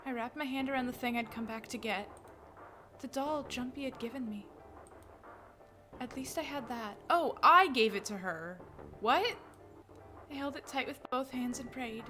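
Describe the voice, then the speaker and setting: Young woman, streamer, expressive narration reading, casual asides, slightly high voice, faint music behind. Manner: reads narration expressively, breaks off for quick casual comments. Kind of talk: let's play, reading game narration aloud.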